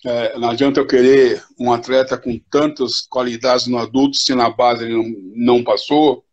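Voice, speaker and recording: An older man, a futsal coach, talking in an unhurried, reflective way as a guest in a casual live interview over a video call. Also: mid-range voice, fairly even intonation, highs cut off.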